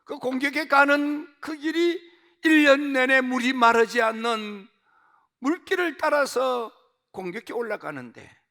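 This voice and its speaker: A man preaching a sermon as pastor of a church, piling up rhetorical questions and repeated exhortations that climb to shouts. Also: very high-pitched.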